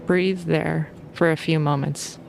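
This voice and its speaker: A woman's voice: low voice, fairly even intonation, slow, creaky, music in the background, low-quality recording. A woman leading a guided sleep meditation in an informal, playful and soothing way.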